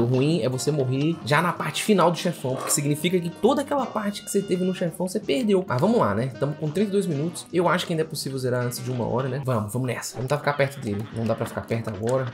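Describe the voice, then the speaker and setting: A man with a Brazilian Portuguese accent talks through a video game run, quick and excitable. He fires off repeated exclamations in bursts. Soft game music plays under his voice. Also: mid-range voice. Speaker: gamer. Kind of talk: let's play commentary.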